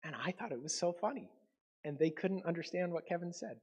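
Husky-voiced man preaching a casual sermon. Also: high voice, expressive, fairly quick, darkish tone. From Canada. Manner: conversational, with frequent ums and self-corrections. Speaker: pastor.

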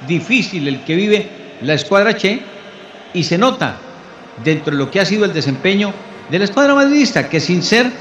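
A man's voice: sits high, big pitch swings, normal speed, fairly bright tone, slight background noise. A man presenting and analysing sport as a radio host, in formal, wordy phrases. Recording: roomy sound with faint music.

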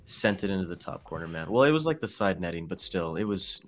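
Male co-host with a lowish voice, earnest and detailed in casual chat. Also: sing-song, fast talker. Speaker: podcast co-host.

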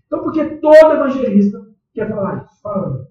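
A man's voice: high voice, sing-song, quick pace. A man with a Brazilian Portuguese accent preaching a sermon in a church, talking conversationally and firing questions at the congregation with slangy asides. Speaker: pastor. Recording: echoey church hall, distant dull mic.

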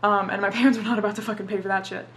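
A woman's voice: mid-range voice, steady tone, racing, fairly bright tone, slight background noise. A young woman who grew up in Dubai and speaks Arabic as her first language, answering questions in a casual interview and swearing freely as she talks. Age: young adult. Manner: casual, swears a lot, says "like" often.

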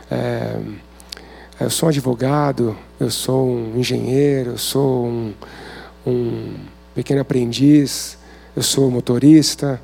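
A man's voice: mid-range voice, vocal fry, a little mellow, husky. A man with a Brazilian Portuguese accent giving an informal sermon at a men's service, talking conversationally and asking many rhetorical questions.

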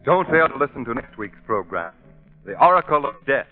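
A man's voice: mid-range voice, sing-song, a little fast. A man announcing on vintage radio in a polished, emphatic, scripted style. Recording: tinny vintage radio, faint music.

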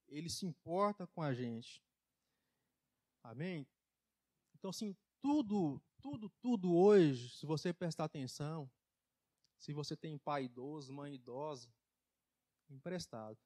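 A man preaching a folksy testimony sermon in church, emphatic, with loudness and pitch that swing widely. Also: lively intonation, a little slow, pauses often. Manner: folksy, laughs at his own jokes. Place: church service.

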